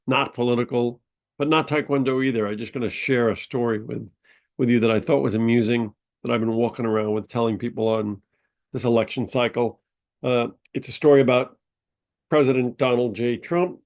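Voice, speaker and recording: A man's voice: mid-range voice, a little mellow. Male podcast host, nasal and congested, mid-range voice, casual rambling delivery full of fillers. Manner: rambling, unhurried, frequent ums and uhs. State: congested from a sinus infection. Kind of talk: casual storytelling monologue.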